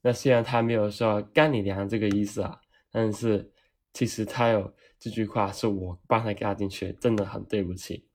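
A man from Hong Kong speaking Cantonese-accented Mandarin, telling comedic personal stories in an animated, self-mocking way and acting out the dialogue. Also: fairly low pitch, normal speed. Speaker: vlogger.

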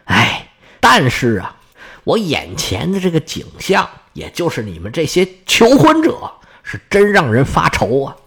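A man voicing a reserved, sorrowful middle-aged noble lady who speaks in measured, sighing tones. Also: on the high side, wildly swooping pitch, a bit bright, husky, full character voice. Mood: wary.

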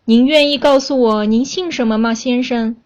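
A woman's voice: a little high, normal speed, a little mellow, dull audio, natural voice. A woman voicing a businesslike male jeweler who speaks firmly and matter-of-factly in a storybook telling. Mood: suspicious.

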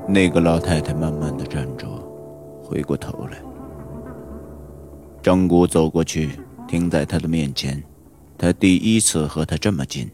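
A man narrating a horror audiobook in a slow, suspenseful storytelling manner. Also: very deep voice, darkish tone. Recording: audiobook with background music.

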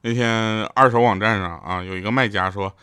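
A man's voice: fairly low pitch, brisk, clear, resonant tone, no echo, studio quality, faint music behind. A man hosting a show, telling comic anecdotes and acting out the people in them. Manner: lively, acts out quoted people in changed voices, laughs at his own jokes. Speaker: show host. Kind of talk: comic storytelling monologue.

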